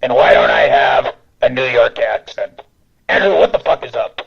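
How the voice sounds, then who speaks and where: A man putting on the voice of an angry intruder who loudly complains and curses, with a gravelly, rough sound. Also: medium pitch, expressive, normal speed, highs cut off, pitched below the performer's own voice, full character voice. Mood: indignant. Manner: loud and cursing. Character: angry man barging in with a gruff voice.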